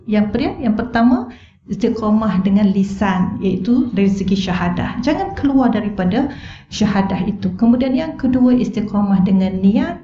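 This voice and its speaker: A woman's voice: medium pitch, dark tone. A middle-aged Malaysian woman giving a religious lecture in a mosque hall, earnest and asking the audience rhetorical questions. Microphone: wireless mic. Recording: roomy, dull-toned hall recording.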